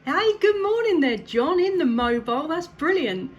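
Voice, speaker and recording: A woman's voice: very high voice, expressive, moderate pace, lo-fi sound. A woman CB radio operator making casual contact chat in an upbeat, encouraging way. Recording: clear background noise.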